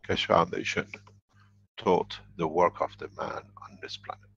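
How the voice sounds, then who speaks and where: A man's voice: deep voice, steady tone, unhurried, creaky, a bit bright, slight background noise. A man giving a workshop lecture, speaking emphatically and repeating his key phrases. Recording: dull lo-fi recording.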